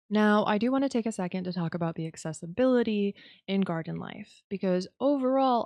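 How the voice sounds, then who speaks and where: Soft-spoken and at a moderate pace, the voice has lively intonation, with a dry, close sound with no echo over a quiet background. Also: woman. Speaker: content creator / game reviewer. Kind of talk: casual talk to camera, game review. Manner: calm, gentle, easy listening.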